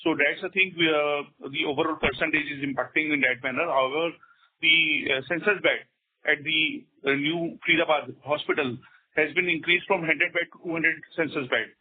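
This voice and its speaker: A man's voice: on the high side, steady tone, moderate pace. A man with an Indian accent giving figures as a company executive on an earnings call. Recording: muffled radio-like phone line.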